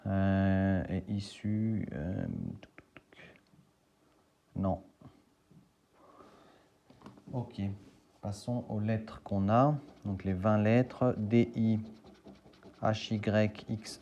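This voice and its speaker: Slow low-voiced man thinking aloud. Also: dark tone, highs cut off. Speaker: YouTuber scratching lottery tickets. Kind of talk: casual commentary while scratching tickets.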